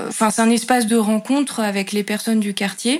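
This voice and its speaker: Amid noticeable background noise, a woman with a fairly high pitch speaks at a moderate pace with fairly even intonation. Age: 30s. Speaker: music teacher and volunteer. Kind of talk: testimony. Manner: halting.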